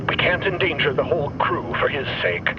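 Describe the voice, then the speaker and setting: A man's voice: big pitch swings, fairly quick, over music. An actor playing an earnest, pragmatic, worried starship crewman who speaks formally in an audio drama. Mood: urgent, regretful. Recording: dull sound under loud engine-like rumble.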